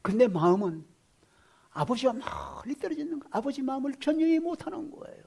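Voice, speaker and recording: A male pastor preaching a sermon in a fairly high voice. He swings between loud exclamations and hushed whispers and keeps asking the congregation questions. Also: sing-song, fast talker, vocal fry, husky.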